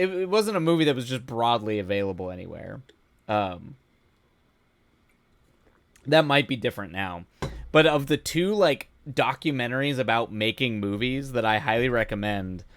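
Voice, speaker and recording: Give me a streamer host, a man with a smooth, resonant voice and halting, laughing delivery. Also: mid-range voice, no echo. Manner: rambling, halting restarts, frequent laughs. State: voice going hoarse. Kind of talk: casual live-stream chat.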